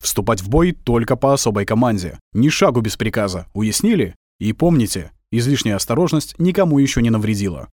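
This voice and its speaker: Мужчина-чтец озвучивает молодого советского лейтенанта-разведчика, который говорит властно, а порой изображает надменного офицера. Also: male voice, mid-range voice, expressive, brisk, few pauses, darkish tone, no room sound, clean studio sound, close to an everyday voice. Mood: commanding. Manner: commanding, mock-arrogant when posing. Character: brisk young male Soviet scout lieutenant.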